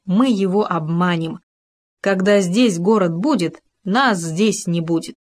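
A woman's voice: fairly low pitch, measured pace. Small bold hamster, eager questions, storybook reading, voiced by a woman. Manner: lively and eager.

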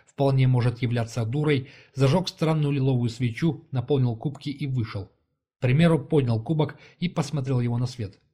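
A man's voice: mid-range voice, mellow. Man reading a fantasy audiobook. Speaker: audiobook narrator. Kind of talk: scripted fantasy audiobook narration.

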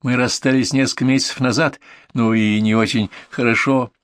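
A man voicing a warm, open young woman from a farm, lifting his voice for her. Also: steady tone, normal speed, smooth, no room sound, studio quality, lightly acted. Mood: wistful. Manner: higher, lighter voice for a young woman.

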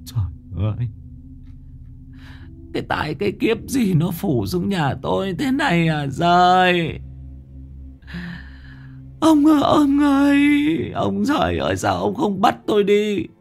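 A man's voice: mid-range voice, animated, measured pace, a little mellow, soft background music, pitched above the performer's own voice. Brief: elderly grieving grandmother, lamenting cries, voiced by a male narrator. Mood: wailing lament. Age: older. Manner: lamenting, crying out, sobbing. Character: old grieving grandmother, wailing to heaven.

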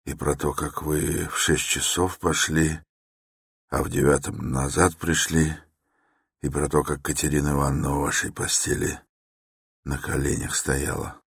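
A man voicing a brooding young man who speaks quietly, abruptly and gloomily. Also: extremely low pitch, little pitch movement, measured pace, gravelly, breathy edge, no room sound, studio quality, exaggerated voice.

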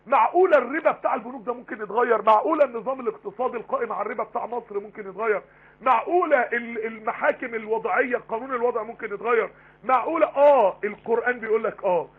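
A man with an Egyptian Arabic accent giving a live online Quran lesson, talking rapidly and emphatically with many rhetorical questions. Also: high voice, breathy edge. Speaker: Quran teacher. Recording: tinny phone-line broadcast.

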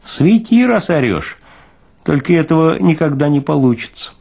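A man's voice: a little high, very animated, normal speed, creaky, darkish tone, full character voice. A man voicing a burly, smirking senior morgue orderly in an audiobook, with a folksy, mocking, philosophizing way of talking. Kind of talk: dramatized audiobook character reading.

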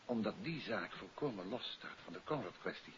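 An actor playing a composed, courteous, faintly wry detective in a 1950s radio drama. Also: male voice, fairly low pitch, animated, moderate pace, fairly bright tone. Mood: businesslike. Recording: muffled, hissy old radio recording.

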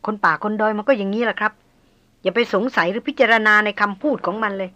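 A stern, seasoned male hunter voiced by a woman reading a storybook aloud explains things patiently and steadily. The tone stays bright and forceful while the pace stays unhurried. It is a gruff, grounded jungle-tracker figure. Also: mid-range voice, fairly even intonation, no echo, lightly acted. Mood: calm explaining. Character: stern middle-aged male master hunter, calm.

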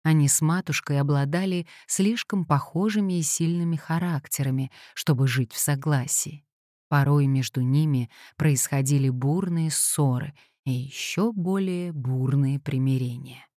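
A woman narrating a literary audiobook in a measured, even reading style. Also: deep voice, no room sound, clean studio sound. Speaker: audiobook reader.

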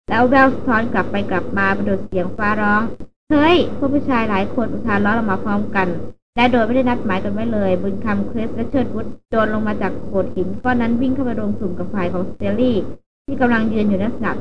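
A woman's voice: medium pitch, background noise. Woman narrating a novel, muffled. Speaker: audiobook narrator.

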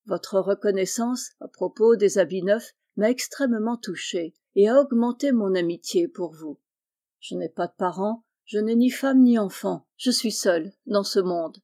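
In a tender, storybook-calm reading, a woman narrator plays a generous, wealthy gentleman painter of middle age soothing the young men he supports. Her voice is mid-range, mellow and warm, and the pace is a little slow.

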